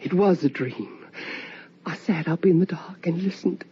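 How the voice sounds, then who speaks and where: An actress playing the sorrowful ghost of a middle-aged mother in a radio drama, with a halting, brooding delivery. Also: lowish voice, mellow, breathy edge. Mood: hushed dread. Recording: dull, noisy old-time radio recording.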